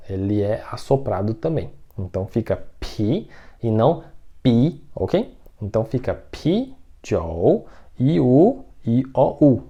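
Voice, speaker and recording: A man's voice: medium pitch, mellow. A man teaching an online language lesson, patiently repeating each word and often checking that the listener is following.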